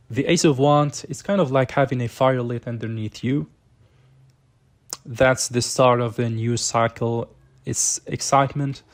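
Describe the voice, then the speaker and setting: Guy doing a tarot reading, normal mid pitch, chatty and informal, kinda thinking out loud while he explains cards. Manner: conversational, informal, thinking aloud. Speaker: tarot reader, channel host.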